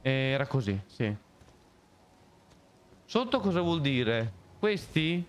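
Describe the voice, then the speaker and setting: A young man streaming a game live, reacting loudly and hurling playful insults at enemies. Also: medium pitch, takes it slowly. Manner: excitable, swears and yells insults at enemies. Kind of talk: live gameplay commentary. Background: game music.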